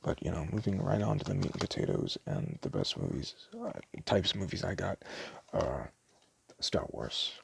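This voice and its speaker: A man doing a casual, rambling ASMR roleplay, talking hesitantly and stumbling as he reads things out, in a very deep, gravelly voice. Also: very animated, moderate pace, slight background noise. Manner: casual, hesitant, stumbles over words and self-corrects. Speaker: ASMR roleplay performer playing a DVD store clerk.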